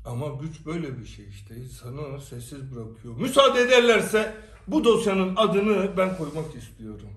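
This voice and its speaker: High-voiced man, emphatic, echoey and distant. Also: very animated, moderate pace. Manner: emphatic, storytelling, rhetorical questions. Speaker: commentator addressing followers. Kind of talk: direct-to-camera monologue. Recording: echoey room, away from the mic.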